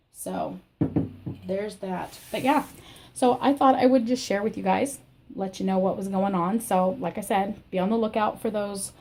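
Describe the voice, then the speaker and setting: A woman with a scratchy, croaky voice from illness, hosting a crafting channel. She gives a rambling, chatty personal update from her home craft room. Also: mid-range voice, darkish tone. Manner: rambling and chatty, with many fillers. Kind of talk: casual personal update chat.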